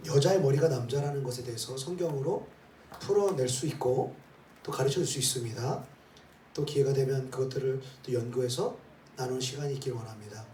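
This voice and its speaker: This pastor's voice sits at medium pitch with a darkish tone as he preaches and guides the congregation through scripture, reading it aloud together and dotting his points with rhetorical questions and "eh?" tags. Heard from some distance in a roomy church sanctuary, the recording carries faint ambience and slight background noise.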